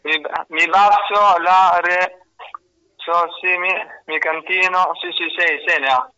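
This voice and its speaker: A man's voice: sits high, fairly even intonation, slow pace, pushed and bright, clear, resonant tone, no echo, lo-fi sound. A man who is a singer, calling in and chatting casually over a landline phone, answering hesitantly in short agreeing bits. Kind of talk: casual phone chat with a host.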